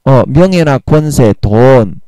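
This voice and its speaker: A man preaching a Bible sermon in a blunt, emphatic way, using coarse everyday words and drawing out key phrases slowly. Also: medium pitch, lively intonation, warm tone, clear, resonant tone, no echo. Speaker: evangelist preaching.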